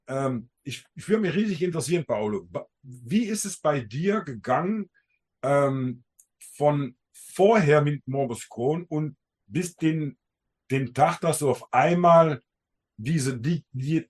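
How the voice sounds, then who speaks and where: A man's voice: a little high, a little mellow, husky. A man from the Netherlands with a Dutch accent, a native Dutch speaker hosting a podcast in casual talk, searching for words with small grammar slips. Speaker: podcast host.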